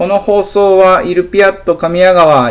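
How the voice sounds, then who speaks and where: Noticeable background noise accompanies a high-pitched man who talks at a fairly slow pace. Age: 40s. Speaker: restaurant owner and podcast host. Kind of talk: casual solo monologue. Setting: office above restaurant.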